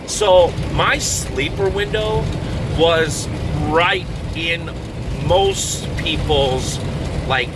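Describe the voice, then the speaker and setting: High-voiced man storytelling over loud rumbling noise. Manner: animated, self-mocking, crude humour with dramatic exaggeration. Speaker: truck driver telling a personal story on own channel. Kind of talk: casual storytelling.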